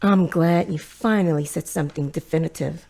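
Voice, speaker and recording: Actress as pushy latina mama in an audio drama, mellow creaky voice, fusses and pries. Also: female voice, low voice, moderate pace. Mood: pushy, motherly. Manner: fussing, maternal, probing. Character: fussing, blunt Latina mother, loving but pushy.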